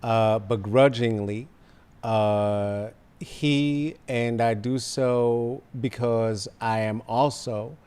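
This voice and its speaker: A man in his forties with a baritone voice, hosting a podcast interview over a video call from home with a studio mic, animated and emphatic. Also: drawn-out words, clear, resonant tone. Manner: animated, emphatic, gestures while talking. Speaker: podcast host. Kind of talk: casual conversation. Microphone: studio mic in frame, earbud.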